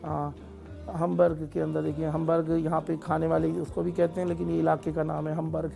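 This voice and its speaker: A man's voice: fairly high pitch, completely flat delivery, creaky, mellow, soft background music. A man hosting a live TV call-in show, thanking callers with blessings and explaining things on air, stumbling now and then over foreign place names. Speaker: TV call-in host.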